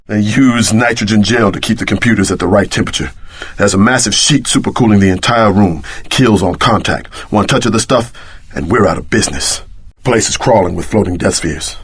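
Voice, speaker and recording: A streetwise tough guy from a video game, speaks in a fairly low voice. He is wry and wary, full of slangy wisecracks. The sound is very dry, with no room around it. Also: husky, dry recording. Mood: wary, explaining.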